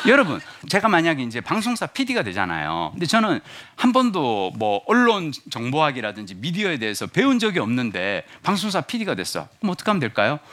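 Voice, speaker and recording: A man in his fifties giving a motivational lecture to an audience, joking and asking them questions. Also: fairly high pitch. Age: 50s. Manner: lively, jokey, asks the audience questions.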